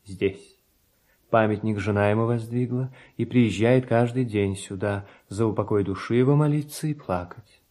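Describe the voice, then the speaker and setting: An actor playing a gentle, pious monk who speaks courteous, measured verse in a classic radio drama. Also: male voice, lowish voice, close to an everyday voice. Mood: pious, confiding.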